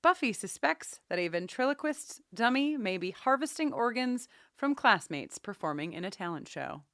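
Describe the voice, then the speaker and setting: A woman podcaster chats casually, animated and enthusiastic, often wandering into little stories. Her voice is bright and clean-toned, recorded dry with no room around it. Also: a little high, moderate pace, no room sound. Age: 40s. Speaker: podcast co-host. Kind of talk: casual chatty storytelling and banter.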